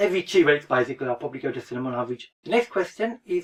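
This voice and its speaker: A very fast pace in a Birmingham accent. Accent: Brummie. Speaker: book vlogger. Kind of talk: casual Q&A vlog.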